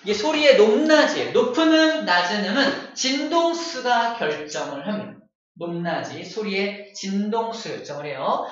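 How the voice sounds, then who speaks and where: A man teaching a classroom lesson, playful and animated, acting out voices as examples. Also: sits high, normal speed. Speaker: middle school science teacher. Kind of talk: classroom lecture. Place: echoey classroom. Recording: dull, echoey from far off.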